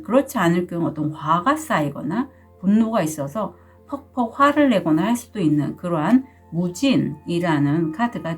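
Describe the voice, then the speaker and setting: A middle-aged woman with a cold-roughened voice, chatting casually through a tarot reading with small laughs and fillers. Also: fairly low pitch, darkish tone. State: sore throat from a cold. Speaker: tarot reader.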